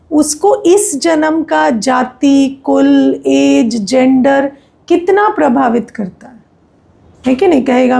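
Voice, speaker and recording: High-pitched, slow-speaking Indian woman spiritual teacher. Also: vocal fry, a little mellow. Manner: didactic, conversational, often asks rhetorical questions and checks understanding. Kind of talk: spiritual discourse, explanatory.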